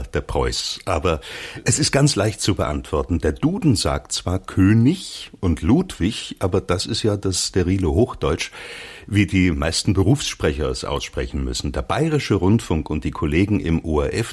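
Older man from Mainz, light Mainz accent, low husky voice; trained newsreader diction, lively emphasis. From Mainz, Germany. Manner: trained, articulate broadcast delivery with lively emphasis. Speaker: retired radio newsreader, guest. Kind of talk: radio interview over a line.

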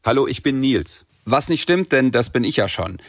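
A man's voice: medium pitch, expressive, moderate pace, no room sound, clean studio sound. A man reporting a radio news feature in a plain, matter-of-fact, lightly wry way.

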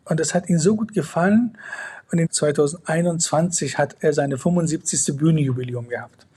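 A man, talking in an unhurried, thoughtful way in an interview over a video call. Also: a little high, warm tone, slightly rough. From Iran. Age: 40s. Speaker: interviewee, composer and manager. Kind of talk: casual interview talk. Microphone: online video call.

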